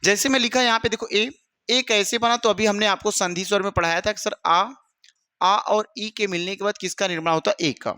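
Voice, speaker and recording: Male teacher drilling exam students, high bright voice, dry room, asks and answers his own questions. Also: steady tone, fairly quick, no room sound. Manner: addresses students as "my brother". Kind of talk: exam-prep grammar lesson.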